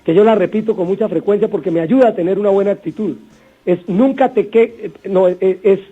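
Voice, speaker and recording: This Colombian-accented radio host speaks quickly in a high, husky, strained voice, preaching a motivational sermon. He spins warm stories and hammers the same points again and again, with faint music under a dull broadcast sound.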